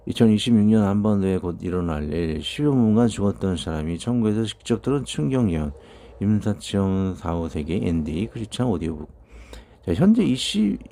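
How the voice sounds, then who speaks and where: A man's voice: on the low side, sing-song, a little fast, mellow. A man in his fifties preaching a sermon, reading out prophecies and commenting on them in a loose, conversational way with many fillers. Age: 50s. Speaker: pastor.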